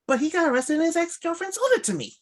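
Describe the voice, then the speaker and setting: A woman playing an awkward, eager young male horror-film fan in a screenplay table read, talking in a halting, rambling way. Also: very high voice, very animated. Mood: eager, confiding.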